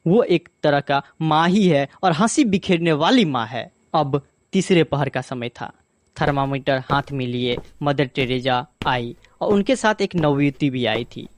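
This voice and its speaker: Expressive Bihari storyteller man. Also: a little high, dry recording, clean studio sound. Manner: expressive, repeats phrases for emphasis. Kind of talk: animated bedtime story narration.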